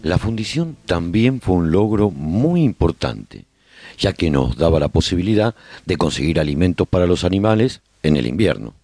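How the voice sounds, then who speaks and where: Survivor narrator for a radio serial: low, creaky voice, measured storytelling, very close dry sound. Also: male voice, sing-song, warm tone, no echo, faint music behind, exaggerated voice. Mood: reflective storytelling. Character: male survivor chronicling life in a post-apocalyptic colony. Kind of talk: scripted first-person narration, radio drama.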